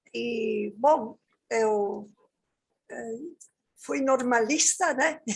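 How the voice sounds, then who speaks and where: A very slow woman's voice, fairly high in pitch, with vocal fry. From southern Brazil, Rio Grande do Sul. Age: 80s+. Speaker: popular educator and author. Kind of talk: interview.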